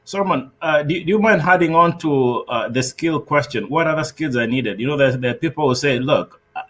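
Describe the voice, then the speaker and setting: Male panel host, halting speech. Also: a little high. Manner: hesitant, many uh fillers. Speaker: host, moderator. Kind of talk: panel discussion hosting.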